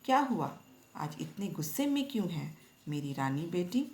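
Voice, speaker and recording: A woman teacher voicing a loving mother who consoles her daughter in a storybook reading, speaking gently and affectionately. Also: lowish voice, very animated, slow, exaggerated voice. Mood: tender, coaxing. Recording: echoey room.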